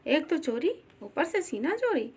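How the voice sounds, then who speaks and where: A woman's voice: sits high, sing-song, a little slow, a little mellow. A woman reading the part of a stern village mother who scolds sharply. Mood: scolding. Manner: harsh, scolding.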